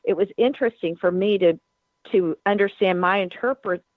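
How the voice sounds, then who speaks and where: A woman's voice: medium pitch, moderate pace, no room sound. A woman guest on a radio panel, speaking earnestly and appreciatively. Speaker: round table guest. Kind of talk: casual radio panel chat. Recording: tinny phone line, dry.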